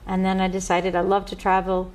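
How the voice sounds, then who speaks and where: A woman's voice: mid-range voice, monotone, brisk, poor audio. An American woman, a professional mandolin player, chatting as a guest and telling stories with a laugh at herself. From United States. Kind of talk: casual interview chat.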